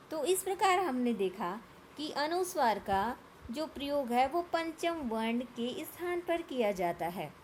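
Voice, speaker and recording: A woman's voice: fairly high pitch, slight background noise. A woman teaching a primary school grammar lesson. She asks the class questions, answers them herself and has them repeat sounds after her.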